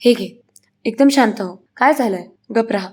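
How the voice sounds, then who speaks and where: Woman doing a caring older sister-in-law, gentle and calming, a bit high. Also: moderate pace, slightly rough. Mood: soothing. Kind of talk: reading a serial recap aloud.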